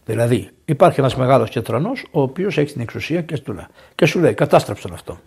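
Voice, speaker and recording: Male priest from Greece, sermon, animated delivery with loud emphatic peaks. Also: medium pitch, creaky, husky. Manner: lively, conversational preaching with sudden raised emphasis.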